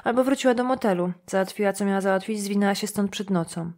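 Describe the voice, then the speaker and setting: A woman's voice: medium pitch, quick pace, a little mellow, lightly acted. A woman reading an audiobook, voicing a blunt, wisecracking male detective who has run out of patience. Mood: impatient. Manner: blunt, impatient.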